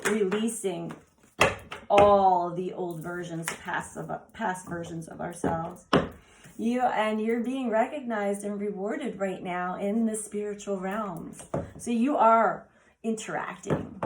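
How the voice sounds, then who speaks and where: Woman w/ a raspy laryngitis voice reading oracle cards, gushy and soft, lots of ums. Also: medium pitch, takes it slowly, noisy background. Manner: enthusiastic, exclaiming over the cards; soft, meandering with fillers. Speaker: card reader. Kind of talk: oracle card reading for viewers.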